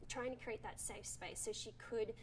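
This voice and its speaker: A woman's voice: on the high side, fairly even intonation, moderate pace, slight background noise. A woman with an Australian accent, a director talking casually about her film, full of "like" and "um". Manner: chatty, heavy use of "like" and "um". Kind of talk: casual interview answers.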